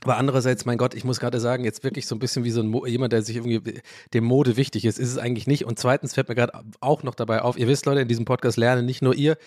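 A man hosting a podcast, talking in a rambling, animated way, often interrupting himself and laughing. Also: medium pitch, rapid-fire, no room sound, studio quality. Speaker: podcast host. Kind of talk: casual podcast monologue.

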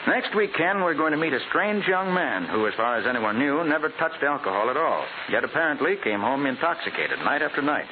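An actor playing a confident private detective in 1940s radio style, explaining things precisely with an American accent. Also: male voice, mid-range voice, sing-song, brisk, hardly any pauses, narrow, tinny audio, close to an everyday voice. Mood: intriguing. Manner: precise, expository, authoritative. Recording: hissy, band-limited 1940s radio recording.

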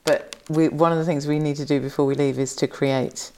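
A woman's voice: low voice, steady tone, fairly quick, dark tone, slight background noise. A woman hosting a podcast, talking conversationally and explaining things. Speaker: podcast host. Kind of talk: conversational interview and discussion.

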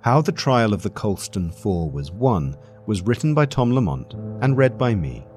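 A man reading a long-form article aloud as scripted narration, with measured, deliberate phrasing. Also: lowish voice, big pitch swings, darkish tone, faint music behind.

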